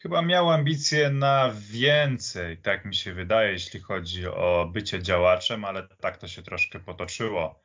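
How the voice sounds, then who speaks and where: A man talking reflectively and haltingly about sport in a conversational podcast style. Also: lowish voice, a bit bright, lo-fi sound. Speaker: podcast speaker.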